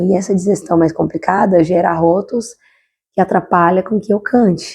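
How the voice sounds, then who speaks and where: A woman's somewhat breathy voice, medium in pitch, with a dark, mellow tone and fairly even intonation. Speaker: singer-songwriter vlogger. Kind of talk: casual vlog monologue.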